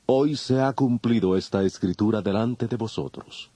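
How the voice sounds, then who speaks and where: An actor playing a solemn, authoritative preacher and prophet in a dramatized audio Bible, declaiming with emphasis. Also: male voice, fairly low pitch, moderate pace, dark tone, husky, no room sound. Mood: solemn, proclaiming.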